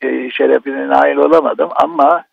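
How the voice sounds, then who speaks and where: A man calling in to a radio show over a phone line, speaking haltingly with many restarts as he grieves. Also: medium pitch, fairly even intonation, creaky, no room sound. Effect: radio show caller on a phone line. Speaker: actor phoning in to a broadcast.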